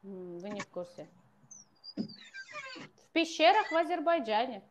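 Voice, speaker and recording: A woman's voice: high-pitched, wildly swooping pitch, unhurried, slight background noise. A woman in her thirties hosting a casual live stream from a room at home, talking with callers through an earphone mic.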